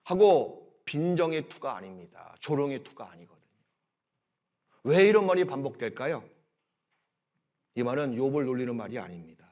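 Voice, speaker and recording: A middle-aged male pastor preaching in a church, explaining scripture slowly and voicing God's words in gentle quotes. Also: mid-range voice, lively intonation. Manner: slow, emphatic delivery with swings between loud and soft. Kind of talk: sermon. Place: church sanctuary.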